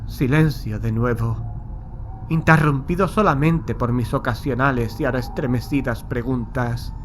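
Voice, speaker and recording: A man's voice: mid-range voice, moderate pace, lightly acted. A haunted man from played by an actor tells his horror tale in a mid-range voice. His delivery is grave, literary and anxious, over a faintly noisy night backdrop. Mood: haunted dread. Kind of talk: first-person horror audiobook narration. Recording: faint night ambience behind the voice.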